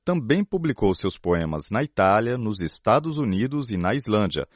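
Low-voiced male radio host. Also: no echo, lo-fi sound. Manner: calm, measured, short prompts. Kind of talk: radio interview and closing announcement.

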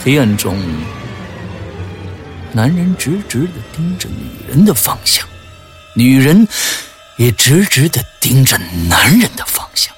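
A man narrates a suspenseful story slowly, drawing out each phrase. His pitch rises and falls expressively, and his voice often drops to a hush, with faint music underneath. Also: very animated. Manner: slow, hushed, suspenseful.

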